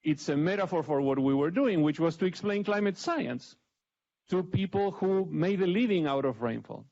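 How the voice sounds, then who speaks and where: A man's voice: high-pitched, lively intonation, normal speed, gravelly, warm tone. A middle-aged man from Argentina with an Argentine accent, giving a conversational, self-deprecating talk to a panel audience. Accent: Argentine Spanish. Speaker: panel speaker. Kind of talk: public talk with slides. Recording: dull lo-fi event recording.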